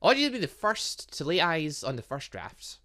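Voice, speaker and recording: A man voicing an excitable, flirty female romance novelist from a visual novel game, gushing and theatrical. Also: on the high side, fairly quick, exaggerated voice. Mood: eager. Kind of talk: visual novel game dialogue read aloud.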